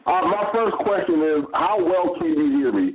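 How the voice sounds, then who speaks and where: A man's voice: sits high, moderate pace, slight background noise. A man co-hosting a podcast in loose, rambling casual chat, heard over a speakerphone line. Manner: loose, rambling, repeats phrases. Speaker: podcast co-host. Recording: tinny phone-line sound.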